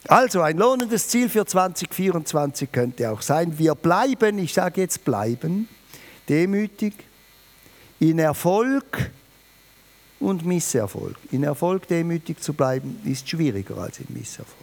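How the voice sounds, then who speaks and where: A man preaching a New Year sermon, emphatic and lively, speaking directly to his listeners. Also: measured pace. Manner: lively, emphatic, varies pitch and volume, addresses listeners directly.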